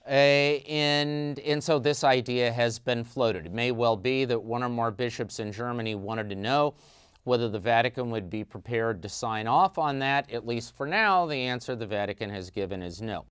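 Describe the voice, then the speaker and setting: Man, middle-aged, news analyst, smooth clear voice, dry close sound, measured explanatory delivery. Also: medium pitch, a bit bright, dry recording. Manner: measured, explanatory, frequent "uh" fillers. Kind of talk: news commentary.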